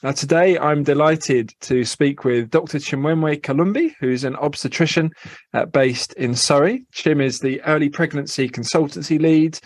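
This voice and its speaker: A man's voice: a little high, normal speed, no echo. Man hosting a podcast. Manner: friendly, hesitant with fillers and restarts. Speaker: podcast host. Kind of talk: podcast interview.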